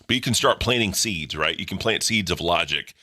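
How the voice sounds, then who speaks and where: A deep-voiced man in his thirties hosting a livestream, talking casually in a blunt, profane, rambling way. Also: animated, fairly quick, sharp tone. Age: 30s. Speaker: livestream host. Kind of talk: casual chat.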